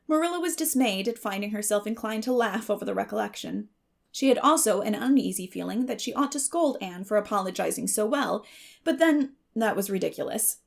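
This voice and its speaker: A woman's voice: mid-range voice, lively intonation, a little fast, creaky. A woman reading scripted literary narration as an audiobook narrator.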